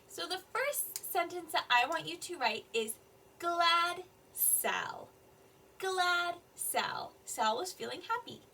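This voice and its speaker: Kindergarten teacher lady, high bright voice, drawn out sing-song words, kinda far from the mic w/ faint room hum. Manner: slow, clear, sing-song teacher talk to small children. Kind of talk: online kindergarten reading lesson. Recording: slightly distant mic with faint room ambience.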